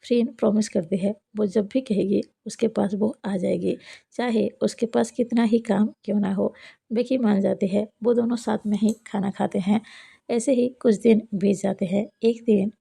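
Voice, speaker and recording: A woman's voice: medium pitch, steady tone, moderate pace, vocal fry, warm tone, husky. A woman narrating a romance story recap, reading every character's lines in her own narrating voice.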